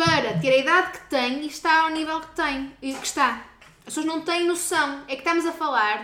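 A raised, projected voice with big swings in loudness and ordinary pitch variation moves at a moderate pace over noticeable background noise. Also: woman, high pitch for a woman. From northern Portugal, Porto. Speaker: podcast co-host, mother. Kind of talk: casual chat.

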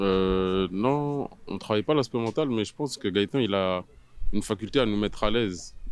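Delivered at a moderate pace, this normal speaking voice shows ordinary pitch variation. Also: man, fairly low pitch for a man. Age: 20s. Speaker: MMA fighter. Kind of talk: interview. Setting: gym beside the dojo.

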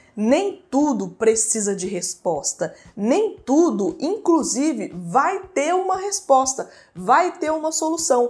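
A woman speaks very slowly in a high voice that swings very widely in pitch. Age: young. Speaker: psychologist. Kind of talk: video monologue. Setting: talking to a camera.

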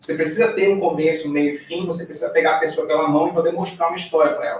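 A high-pitched man talking at a very fast pace over noticeable background noise. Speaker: musician in a progressive metal band. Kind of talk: casual interview chat.

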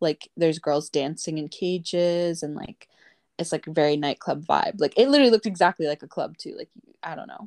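In an unremarkable speaking voice, a woman with a fairly low pitch and lively intonation talks at a fairly quick pace with big swings in loudness, her sound dry and close with no echo on a very clean recording with a silent background. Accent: Canadian. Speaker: podcast host. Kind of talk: casual chat.

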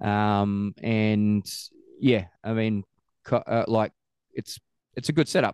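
The voice comes with an Australian accent. The recording is very clean and silent behind it, with a dry, close sound and no echo. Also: man. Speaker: stay-at-home father and musician. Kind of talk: casual interview.

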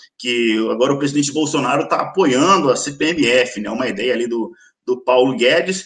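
A man's voice of medium pitch at a moderate pace, with ordinary pitch variation. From Minas Gerais, Brazil. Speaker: market analyst. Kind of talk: market commentary livestream. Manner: filler-heavy, frequent 'né'.

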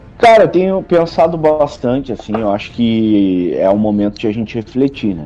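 Over noticeable background noise, a medium-pitched man talks at a moderate pace with hardly any pauses, his pitch swinging very widely. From southern Brazil, Porto Alegre. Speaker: state deputy and mayoral candidate. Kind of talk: interview. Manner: casual, conversational.

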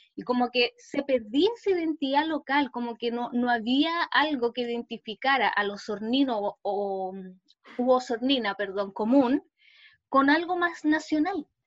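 A woman's high-pitched voice with lively intonation sounds dry and close with no echo, over a quiet background. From central Chile. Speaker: podcast panelist, historian. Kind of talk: casual chat.

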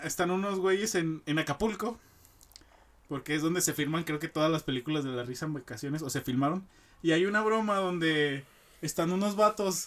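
This man has an unremarkable speaking voice with a fairly high pitch. He talks at a moderate pace with ordinary pitch variation. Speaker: podcast co-host. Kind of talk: casual chat.

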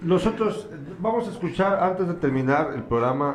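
Noticeable background noise and audible room echo surround a man speaking at a moderate pace with lively intonation. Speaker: talk show host. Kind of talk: panel discussion.

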